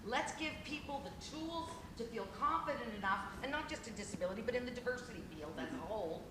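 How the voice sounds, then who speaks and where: Brisk high-voiced woman in echoey hall. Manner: fast, animated, self-deprecating. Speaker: panelist, diversity trainer. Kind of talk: conference panel talk. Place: conference hall. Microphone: handheld mic. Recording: echoey hall with background noise.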